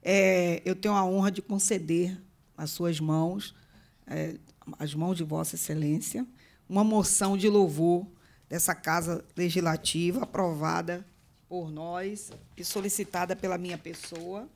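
A middle-aged woman from Bahia in northeastern Brazil, a state legislator, chairs a meeting indoors in a legislative room, mixing formal remarks with informal asides. She speaks with a Bahian Brazilian accent into a table gooseneck microphone, her voice low-ish, steady, measured, and a little mellow.

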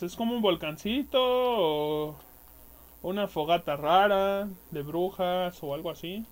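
A young Mexican man doing casual gameplay commentary, excitable, swearing and yelling at enemies. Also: sits high. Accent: Mexican Spanish. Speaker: gaming youtuber.

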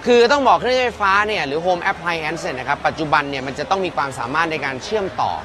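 A man in his forties hosting a live walkaround at an indoor exhibition, lively and joking, exclaiming as he goes. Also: a little high, quick pace. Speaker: tech show host touring an expo. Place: busy indoor exhibition hall. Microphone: handheld mic, filmed by a roaming camera.

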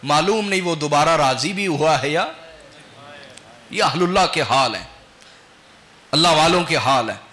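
Male preacher, bright tense tone, rhetorical questions, building emphasis. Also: on the high side, animated, normal speed, pauses often. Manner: quizzes the audience with rhetorical questions. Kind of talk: sermon.

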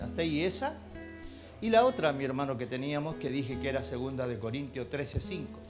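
A man with a Chilean accent preaching a church sermon, folksy and chatty with the congregation, then swelling into a fervent prayer. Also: on the high side. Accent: Chilean Spanish. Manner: folksy, addresses congregation as brother. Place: church hall.

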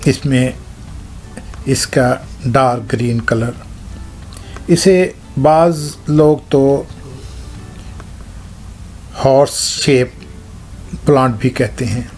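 A man hosting a gardening channel, explaining plant care in short, halting phrases while showing things by hand. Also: medium pitch, darkish tone, faint music behind. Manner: shows things hands-on while talking.

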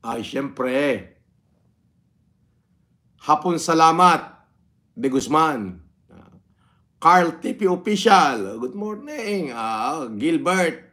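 A middle-aged Filipino man talks to his livestream viewers at a slow pace in a slightly high voice. He drifts between greetings and filler interjections, leaving long gaps, with the casual sound of someone chatting into a phone indoors. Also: expressive, a bit bright. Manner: unhurried, drawn-out, with many pauses and interjections. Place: indoor room with framed painting. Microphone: phone propped at arm's length.

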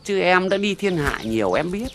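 A sly, gossiping village woman from a TV drama, needling and fond of proverbs. Her speech lilts with lively swings of pitch. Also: moderate pace, a little hiss or hum. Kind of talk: TV drama acting.

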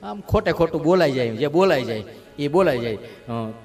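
A man's voice: on the high side, animated, normal speed, a little mellow. A man voicing a humble, unlettered priest. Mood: apologetic. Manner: humble, apologetic. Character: humble, unlettered old male priest, tearful devotee.

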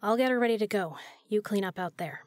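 Brisk, tough female spy played by an actress. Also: mid-range voice, expressive, no echo, clean studio sound, close to an everyday voice. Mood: bossy. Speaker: voice actor in an audio drama. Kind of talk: intimate spy audio drama acting.

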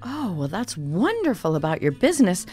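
A woman's voice: mid-range voice, sing-song, moderate pace, a little mellow. A woman playing an earnest, gullible, dreamy small-town clerk with an effusive manner in an improvised radio drama. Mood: dreamy, enthusiastic. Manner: effusive, gushing.

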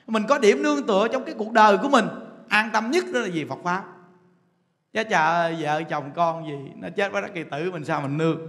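High-voiced Southern Vietnamese preacher man. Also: sharp tone, long reverb tail. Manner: rhetorical questions to the audience, chuckling, drawn-out emphasis. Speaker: Buddhist preacher. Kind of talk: dharma talk. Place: temple hall.

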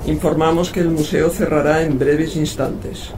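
A man's voice: fairly high pitch, flat delivery, a little slow. A man playing a formal museum announcer over a public-address system in an audio story. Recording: distant, very noisy PA announcement.

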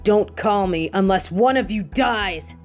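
A woman acting the part of a hot-tempered, sarcastic mafia boss with a soft side in an audio roleplay. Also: mid-range voice, measured pace, faint music behind, lightly acted. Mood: cold, menacing. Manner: dry, threatening, sarcastic, dramatic sighs.

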